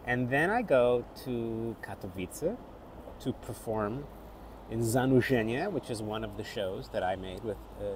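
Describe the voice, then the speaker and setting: A middle-aged actor with a North American accent talks through his life at an unhurried, reflective pace, pausing and restarting often. His voice sits at an ordinary pitch for a man. Faint outdoor city noise with passing vehicles hums behind him. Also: a little mellow. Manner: thoughtful, halting, with frequent restarts. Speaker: actor and theatre maker. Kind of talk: reflective personal vlog.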